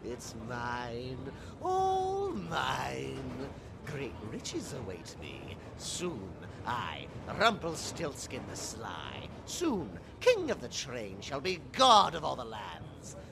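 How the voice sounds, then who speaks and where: In a put-on character voice, a man speaks at a very slow pace over loud background noise. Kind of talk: audio drama. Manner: theatrical, pompous.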